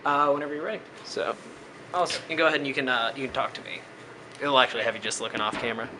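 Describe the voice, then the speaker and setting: A man interviewing a student, asking questions in a relaxed, halting way. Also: mid-range voice. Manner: casual and hesitant, many ums. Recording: steady air-conditioning hum.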